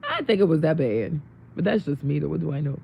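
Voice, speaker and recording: A young woman with a worn-out, hoarse voice chatting casually with viewers on her livestream, greeting them and laughing often. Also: low-pitched, lively intonation, fast talker, darkish tone. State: losing her voice. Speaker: livestream host. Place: home room.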